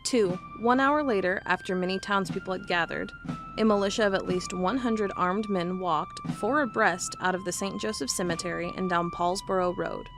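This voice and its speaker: A woman's voice: medium pitch, moderate pace, over music, close to an everyday voice. A woman playing a wry, curious investigator who records a log and reads old case files in an audio drama. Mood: dry, official.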